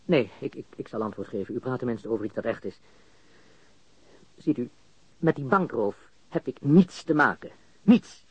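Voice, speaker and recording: A man's voice: mid-range voice, lively intonation, moderate pace, pauses often, darkish tone, slightly rough, no room sound, muffled recording. An actor playing an agitated prisoner who protests his innocence, pleading and stammering in a radio crime drama.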